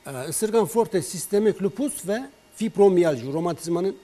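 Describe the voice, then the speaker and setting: A man tells health stories in an animated way, acting out the calls between himself and a patient. His voice sits a bit high for a man yet sounds dark and mellow. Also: moderate pace. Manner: animated storyteller, acts out patient's and his own words in dialogue. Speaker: herbal remedy expert on a broadcast. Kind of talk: storytelling health talk.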